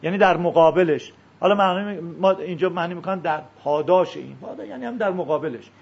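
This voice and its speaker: A man giving a classroom lecture, explaining a text and slowly repeating words to show how to pronounce them. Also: sits high, vocal fry, breathy edge, muffled recording. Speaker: teacher.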